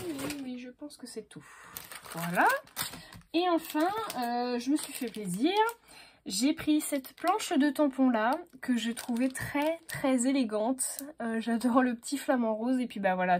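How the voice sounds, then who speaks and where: A woman's voice: high voice, a little mellow, a little hiss or hum. A woman chatting casually as she unboxes craft stamps, hesitant and full of fillers, talking to herself as she sorts things. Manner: talks to herself while sorting items. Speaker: crafting vlogger.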